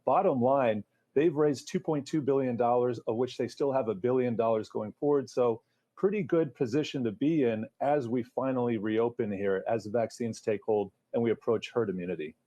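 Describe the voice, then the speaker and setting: A man with a relaxed, mellow voice of medium pitch presents financial news. He reads out figures in a measured manner and pauses to explain what they mean. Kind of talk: financial news reporting, partly reading figures.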